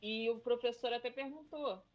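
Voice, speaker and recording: A woman's voice: a little high, normal speed. A Brazilian woman, a teacher, talking animatedly in a casual podcast discussion. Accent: Brazilian Portuguese. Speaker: podcast panelist. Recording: dull lo-fi audio.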